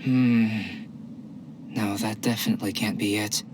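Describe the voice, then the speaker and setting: A man voicing a calm young male alchemist in a game, measured, clinical and politely detached. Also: fairly low pitch, background noise, lightly acted. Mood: composed. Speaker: game character. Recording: game audio with music behind.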